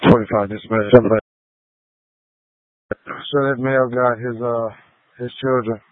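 A man's voice: medium pitch, fairly even intonation, slow, no room sound. A man, a patrol officer, giving short, matter-of-fact replies over a walkie talkie. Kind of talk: radio traffic with dispatch. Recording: tinny two-way radio, dry.

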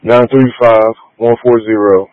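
A man's voice: medium pitch, little pitch movement, unhurried, clear, resonant tone. A man on patrol, heard over a two-way police radio, speaking in clipped radio codes and reading out plate numbers. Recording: tinny, dry radio transmission.

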